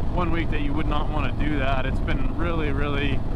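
A man is speaking over loud background noise. The sound itself is dry, with no echo. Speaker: motorcycle rider vlogger. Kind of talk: casual vlog chat. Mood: relaxed, slightly disappointed. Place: motorbike. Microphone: helmet.

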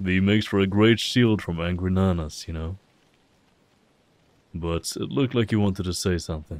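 Pausing long and often, a man with a very deep, low pitch and a warm tone talks at a moderate pace with ordinary pitch variation. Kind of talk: boyfriend ASMR roleplay, soft-spoken. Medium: audio drama. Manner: warm, teasing, protective.

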